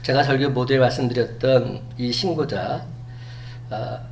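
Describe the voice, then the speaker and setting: A man preaching a sermon as pastor, animated, acting out quoted lines. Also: medium pitch, a little slow, vocal fry. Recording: distant mic with faint hum.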